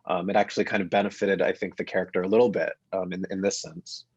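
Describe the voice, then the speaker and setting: A man with a lowish voice talks reflectively and haltingly in a relaxed panel discussion. The recording is dry and a bit dull, as if over a video call. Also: husky, no echo. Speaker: actor, panel guest. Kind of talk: casual panel conversation.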